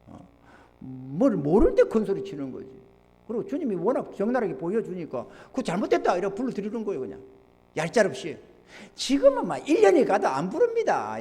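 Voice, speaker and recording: A man, a pastor, preaching a sermon, swinging between loud emphasis and low murmured asides. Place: church sanctuary. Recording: long church reverb.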